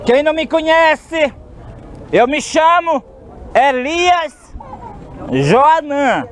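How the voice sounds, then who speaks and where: A man with a Brazilian Portuguese accent preaches outdoors on a city street. His voice sits very high and swings widely up and down as he lingers over each phrase, now and then bursting into a shout. A faint crowd murmurs behind him. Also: big pitch swings, a little hiss or hum. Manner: slow, emphatic delivery with sudden shouted stresses. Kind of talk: preaching sermon.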